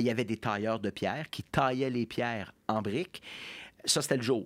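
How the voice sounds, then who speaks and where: The speaker is a man whose voice has a medium pitch. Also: very clean recording, silent background. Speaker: brewery spokesperson and storyteller. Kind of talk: storytelling. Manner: animated.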